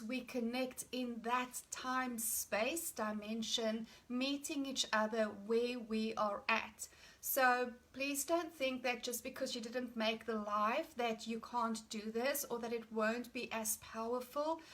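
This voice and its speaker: A woman leading a guided healing meditation for an online group, speaking in an earnest, deliberate way and stressing key phrases. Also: fairly high pitch, fairly bright tone. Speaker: meditation leader.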